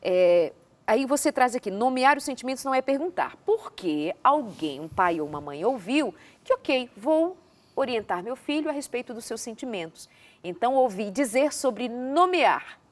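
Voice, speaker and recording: A woman's voice: fairly high pitch, very animated, moderate pace. A woman with a Brazilian Portuguese accent, hosting an interview and thoughtfully paraphrasing her guest before asking questions. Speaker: show host.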